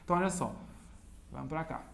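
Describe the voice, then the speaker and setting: A man's voice: on the high side, fast, gravelly, fairly bright tone. A man teaching a chemistry video lesson at a digital whiteboard. He repeats key points step by step, talks straight to his students and slips in playful jokes at his own expense. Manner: playful, cracks jokes and teases himself between explanations.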